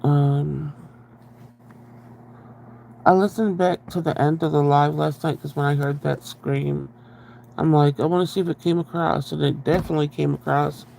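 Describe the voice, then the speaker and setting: A man talks in a loose, rambling livestream chat with a stuffy, congested nasal tone. His voice sits a little high and carries a gravelly, fry-heavy texture. He speaks right up against the microphone, so his breaths are audible. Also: fairly even intonation, moderate pace, long pauses, mellow, slight background noise, poor audio. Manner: chatty, rambling, greets viewers. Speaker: livestream host. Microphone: very close to the microphone, breathing audible.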